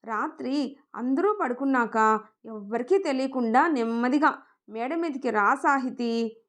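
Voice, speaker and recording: A woman's voice: sits high, animated, a little slow. A woman voicing a playful young husband in a story, speaking in a coaxing, affectionate way.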